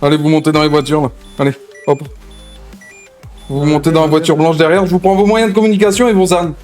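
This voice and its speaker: A man's voice: on the high side, fairly even intonation, fast talker, a little mellow, faint music behind. A man improvising dialogue in an online game roleplay, speaking in a commanding, slangy and casual way. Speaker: streamer role-playing a gang boss in an online game.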